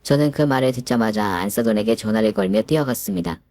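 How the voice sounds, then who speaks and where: Woman storyteller, dramatic first-person narration; very low voice, dry close sound. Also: fast talker, dark tone, no echo.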